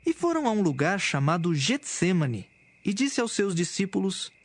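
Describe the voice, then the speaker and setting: A man narrating dramatised scripture from a script, with measured storytelling phrasing. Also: high voice, big pitch swings, dry recording.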